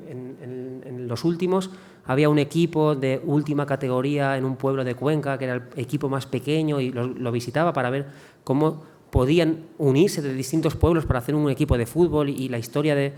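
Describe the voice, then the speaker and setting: A man's voice: mid-range voice, darkish tone. Hesitant male writer repeating his words. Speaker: writer and panel guest. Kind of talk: conversation at a cultural talk.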